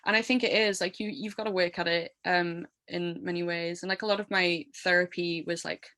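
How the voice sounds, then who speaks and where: Musician guest, woman, 30s, English accent, low smoky voice, chatty and quick to laugh, dry close sound. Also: no room sound. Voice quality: low voice from years of smoking. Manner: animated, laughs often, lots of fillers. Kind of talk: casual interview chat.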